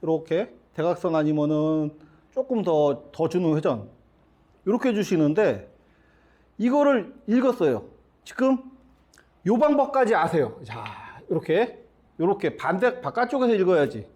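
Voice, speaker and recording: His voice is fairly high and darkish, swinging widely in pitch at an unhurried pace. He's a middle-aged billiards instructor from South Korea, demonstrating at the table, explaining shots step by step and putting questions to his students as he goes.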